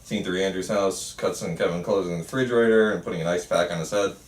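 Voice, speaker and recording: Lowish-voiced man reading screenplay directions. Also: fairly even intonation, fast. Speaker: stage directions reader. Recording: roomy, faint noise, distant mic.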